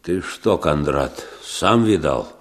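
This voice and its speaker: An actor playing a stern, bitter old village patriarch in a radio drama, curt and commanding. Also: male voice, very deep voice, animated, slow, exaggerated voice. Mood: grim. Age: older.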